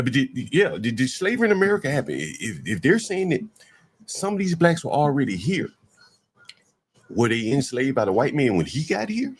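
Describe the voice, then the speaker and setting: Blunt, husky man in his fifties. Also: medium pitch. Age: 50s. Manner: blunt, dismissive, rambling with restarts. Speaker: commentator reacting to a panel. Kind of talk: opinionated commentary.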